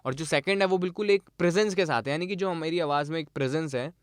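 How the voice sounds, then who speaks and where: A man's voice: on the high side, fast, smooth, dry recording, studio quality. A man teaching audio basics to a small class, putting questions to his students and explaining by comparing recordings.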